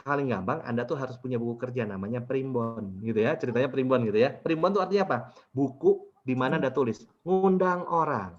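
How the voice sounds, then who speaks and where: Lively man leading a business workshop. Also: mid-range voice, fairly quick. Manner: lively, keeps asking the audience questions. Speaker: business trainer. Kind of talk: workshop talk to participants. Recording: dull lo-fi recording.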